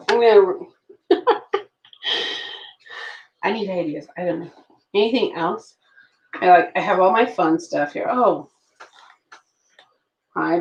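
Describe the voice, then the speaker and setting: A woman in her late thirties rambles through a relaxed chat with her viewers, answering their comments as she journals. Her voice sits low and carries a gravelly fry. The room around her is echoey. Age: late 30s. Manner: chatty, reacts to viewer comments. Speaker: planner vlogger. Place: at home.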